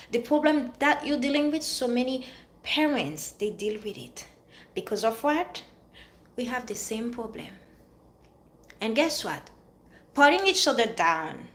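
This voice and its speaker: A woman with a Haitian-French accent, giving an earnest motivational talk to viewers and repeating her phrases for emphasis. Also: fairly high pitch. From Haiti or France. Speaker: vlogger giving life advice. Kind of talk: motivational monologue.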